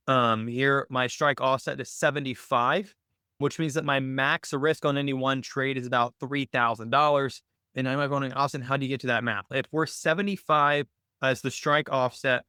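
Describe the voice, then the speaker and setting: A man's voice: medium pitch, bright, forceful tone, smooth, no echo, clean studio sound. A man hosting a live question-and-answer webinar, explaining step by step and often posing questions that he then answers himself. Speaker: webinar host teaching options trading bots. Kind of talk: live screen-share Q&A walkthrough.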